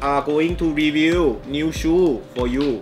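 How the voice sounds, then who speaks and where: An exaggerated Thai-accented English voice, put on by a man in broken grammar. He punches each word, and loud music sits under him. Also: a little high, steady tone, moderate pace, voice pushed up, natural voice. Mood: playful.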